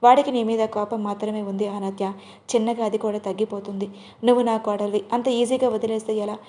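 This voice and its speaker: A stern, commanding older man who sides with his new daughter-in-law, as a woman storyteller reads him. He speaks firmly and raises his voice to be obeyed. The voice sits at an ordinary middle pitch for a woman. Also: fairly even intonation, a little fast, dark tone, close to an everyday voice. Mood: firm, reassuring.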